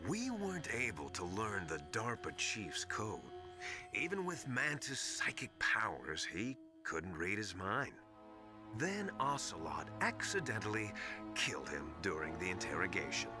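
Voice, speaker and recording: An actor playing a smug, menacing villain who gloats in a mocking, theatrical way in a dramatic video game. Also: male voice, on the low side, big pitch swings, measured pace. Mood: smug gloating. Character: smug, menacing male villain gloating over his scheme. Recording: loud music behind the voice.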